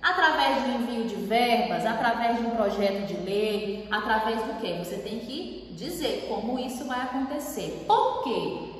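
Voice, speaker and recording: A woman teacher giving a writing lesson, clear and didactic, asking questions and answering them herself. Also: a little high, animated, a little slow, slight background noise. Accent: Brazilian Portuguese. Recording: echoey room, voice far from mic.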